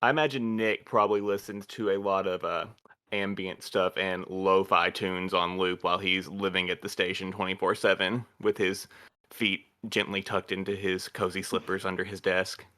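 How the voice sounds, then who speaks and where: A man's voice: low voice, level tone, normal speed, bright, forceful tone. A man in a podcast cast, chatting casually and cracking jokes. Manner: joking. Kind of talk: casual panel chat.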